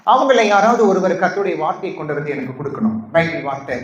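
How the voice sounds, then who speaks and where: A woman's voice: low voice, sing-song, fast talker, muffled recording, slight background noise. A trans woman preacher giving an emotional testimony to a congregation, pleading and asking the audience questions. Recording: echoey hall.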